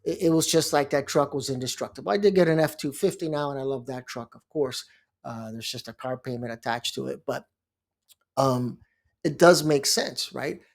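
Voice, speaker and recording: Talking at a moderate pace with vocal fry in a mid-range voice, a middle-aged man from Miami, Florida, rambles casually through a monologue full of asides and restarts. He works as a bankruptcy lawyer and hosts a blog.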